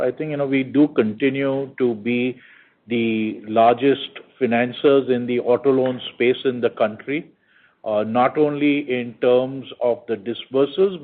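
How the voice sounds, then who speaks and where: A man with an Indian accent speaks in a measured, corporate way, padding his points with "you know". His voice sits at a middling pitch and comes through a thin, tinny conference phone line. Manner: measured corporate speech with frequent 'you know'. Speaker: bank executive. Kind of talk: earnings call commentary. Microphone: conference call line.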